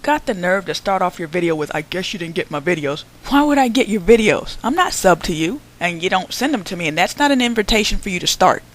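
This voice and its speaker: A woman's voice: medium pitch, lively intonation, fast, hardly any pauses, low-quality recording. A young woman hosting her own channel, answering another vlogger in a sarcastic, combative response rant.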